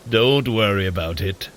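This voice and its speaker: Boisterous warrior god, jovial trainer, audio drama, very animated pitch, slow pacing, faint background ambience. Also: male voice, a little hiss or hum, full character voice. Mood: amused. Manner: jovial, theatrical, booming commands. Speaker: fitness trainer guiding a run. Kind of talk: scripted immersive audio drama workout.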